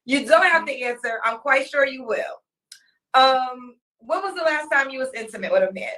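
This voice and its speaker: High, bright-voiced woman host. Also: lively intonation, normal speed, recorded from a distance. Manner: teasing, probing questions. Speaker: podcast host. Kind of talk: casual interview.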